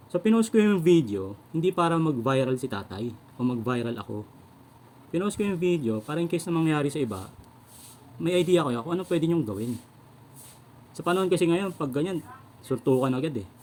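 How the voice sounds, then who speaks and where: The speaker talks at a fairly quick pace with long, frequent pauses. Their pitch swings very widely. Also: man, fairly high pitch for a man. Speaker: vlogger. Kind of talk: casual vlog commentary.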